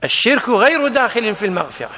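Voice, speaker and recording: Male teacher, high bright voice, deliberate lesson delivery with repetition, reverberant hall. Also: big pitch swings. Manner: deliberate, repeats key phrases for emphasis. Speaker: Islamic teacher. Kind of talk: religious lesson explaining a text.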